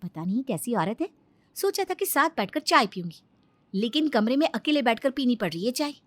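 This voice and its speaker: A woman voicing a quick-witted young daughter-in-law who talks back in an animated story. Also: a little high, dry recording. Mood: grumbling.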